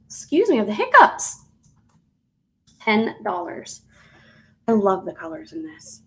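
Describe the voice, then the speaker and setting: A woman's voice: mid-range voice, huge pitch swings, a little slow, a bit bright, low-quality recording. A woman hosting a live jewelry auction stream, chatting casually and rambling with fillers and self-corrections as she shows each piece.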